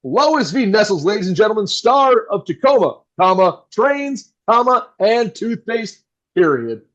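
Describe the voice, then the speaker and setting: A man's voice: high-pitched, big pitch swings, measured pace, a bit bright, highs cut off, full character voice. A man playing a flustered, melodramatic 1960s New York radio host with theatrical announcer delivery in an audio drama. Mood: gushing, theatrical.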